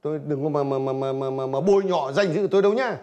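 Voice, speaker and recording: A man's voice: on the high side, quick pace, mellow, highs cut off, lightly acted. An actor playing a hot-tempered, proud old man in a nursing home, scolding and defensive. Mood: heated. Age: older. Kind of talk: TV drama acting.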